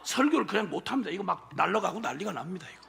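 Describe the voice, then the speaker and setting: An older man preaching a sermon as a pastor, impassioned and colloquial, rising to shouts. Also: high-pitched, very animated, racing, creaky. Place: church sanctuary.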